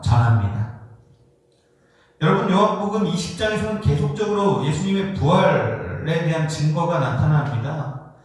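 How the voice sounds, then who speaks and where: Youth pastor guy preaching, kinda high voice, super echoey like a big hall. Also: darkish tone, far from the mic. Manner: earnest, often calls out to the listeners. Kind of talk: sermon.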